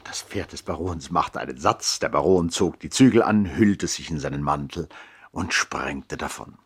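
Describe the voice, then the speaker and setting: A man narrating a 1960s German radio play in a measured, dramatic literary style. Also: a bass voice, lively intonation, husky.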